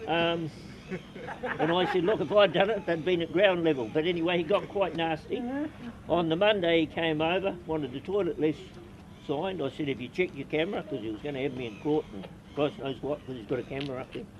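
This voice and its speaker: A man's voice: a little high, fairly quick, muffled recording, noisy background. A man who is a local landlord, speaking off the cuff in a blunt, aggrieved manner, recorded outdoors. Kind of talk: spontaneous public remarks and interview answers. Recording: outdoor recording with crowd chatter. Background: crowd outdoors.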